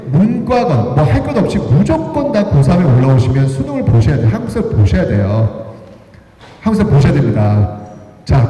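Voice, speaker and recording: A man's voice: fairly high pitch, mellow, recorded from a distance. A man giving a live history lecture, quizzing the audience and counting raised hands. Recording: echoey hall with long reverb.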